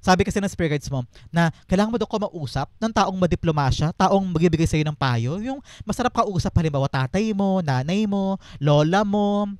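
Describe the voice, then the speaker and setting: A man's voice: high-pitched, animated, a little fast, no echo. A man with a Filipino accent giving an earnest, emphatic tarot reading to camera, repeating words for stress. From Philippines. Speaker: tarot reader.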